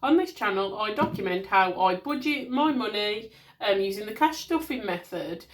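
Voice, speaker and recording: A woman's voice: medium pitch, expressive, normal speed, a little hiss or hum. A woman in her thirties from the West Midlands with a Black Country accent, talking through her monthly budget at home in a chatty, rambling way, slightly nasal and congested from a cold. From West Midlands, England. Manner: chatty and rambling, with many ums and restarts. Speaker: budgeting vlogger. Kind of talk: casual chat to camera while handling a planner. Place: at home, at a desk.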